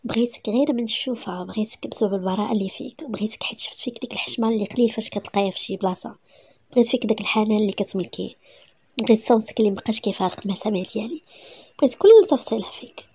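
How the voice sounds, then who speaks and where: A woman with a Moroccan accent voicing an earnest young man confessing love in a soft whisper, in a whispered role-play. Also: mid-range voice, lively intonation, rapid-fire, husky. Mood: tender.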